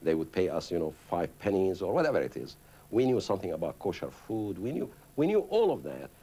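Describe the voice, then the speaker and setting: Man, from Palestine, interviewee, very low husky voice, animated reflective telling. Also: fairly quick. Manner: reflective, emphatic storytelling. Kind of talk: interview recollection.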